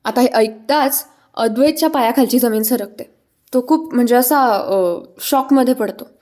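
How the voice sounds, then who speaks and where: A woman's voice: a little high, moderate pace, dark tone. A woman casually recapping a TV serial episode, chatty, with fillers and restarts.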